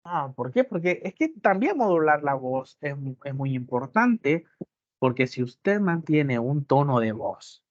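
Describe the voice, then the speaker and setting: A man's voice: a little high, no echo. A man lecturing a class on courtroom speaking, emphatic, with many rhetorical questions. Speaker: law lecturer. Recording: dull muffled dry sound.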